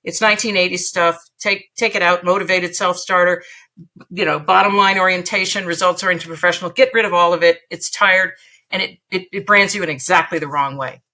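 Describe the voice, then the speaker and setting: A woman's voice: lowish voice, fairly even intonation, a little fast, sharp tone. A woman guest on an interview podcast giving career advice in an emphatic, punchy way, repeating points for effect.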